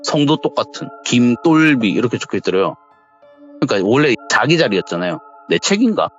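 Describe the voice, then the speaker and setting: A man's voice: mid-range voice, expressive, fairly quick, faint music behind. A man hosting a horror story radio show, retelling a listener's ghost story and acting out the quoted dialogue. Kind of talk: storytelling narration. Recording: dull lo-fi recording.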